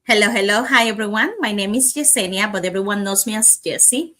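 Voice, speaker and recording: A woman from Cuba, co-hosting and announcing guests in a lively way. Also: mid-range voice, brisk. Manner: lively announcing, reads name lists. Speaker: co-host. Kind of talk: casual show chat.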